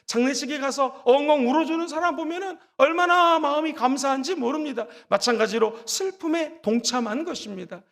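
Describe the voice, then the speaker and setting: A man preaching a Sunday sermon in a church sanctuary, his voice sitting very high for a man. He builds to dramatic rises and calls on the congregation to repeat after him. Long hall reverb trails every phrase. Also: a little fast, creaky, few pauses, fairly bright tone. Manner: preaching with dramatic rises and call-and-response prompts. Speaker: pastor.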